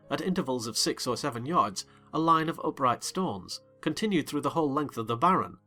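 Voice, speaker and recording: Guy reading an old novel aloud, expressive, sharp bright voice. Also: mid-range voice. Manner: measured, expressive. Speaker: narrator. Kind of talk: dramatized reading of a classic novel.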